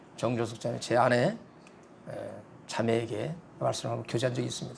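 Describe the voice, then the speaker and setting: A man speaks with vocal fry. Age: 70s. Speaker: lay preacher. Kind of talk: testimony. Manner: halting.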